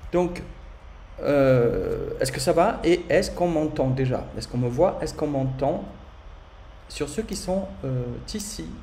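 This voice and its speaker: Speaking with a southern French accent at a very slow pace with long, frequent pauses, the voice carries audible room echo and noticeable background noise. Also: man. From southern France. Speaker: online business trainer. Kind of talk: live stream presentation. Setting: Facebook live stream. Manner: hesitant, many fillers.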